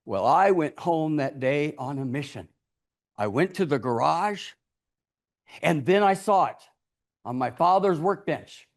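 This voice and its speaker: A man giving a theatrical storytelling speech in a dramatic, deliberate manner, acting out the characters as he goes. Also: fairly high pitch, animated. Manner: dramatic, deliberate delivery with acted-out voices. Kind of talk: theatrical tall-tale speech.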